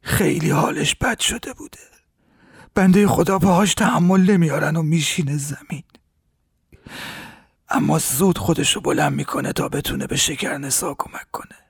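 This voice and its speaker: A grieving old villager in an audio drama, speaks in a raspy, worn voice that sits a little high. His telling is halting and sorrowful. The sound is dry and close. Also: dry recording, heavily acted. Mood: grief-stricken. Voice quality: hoarse, raspy. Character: grieving old village man recounting horrors.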